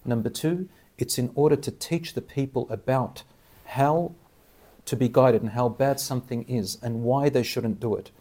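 A man hosts an interview with a mellow, dark voice. He speaks earnestly, like a teacher giving religious advice. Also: medium pitch, moderate pace. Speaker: interviewer and Islamic preacher.

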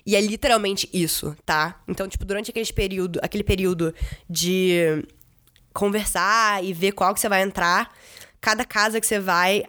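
A young woman from Brazil chats to the camera about her own stories. She talks loosely, with lots of fillers, and swears casually now and then. Her pitch sits in the middle range. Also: steady tone, moderate pace, fairly bright tone. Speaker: vlogger. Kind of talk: casual storytelling.

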